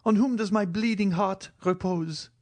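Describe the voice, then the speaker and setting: A man's voice: high-pitched, a little slow, darkish tone, voice pushed up. A man voicing a devoted, anguished young woman who pleads tearfully in an audiobook reading. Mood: impassioned.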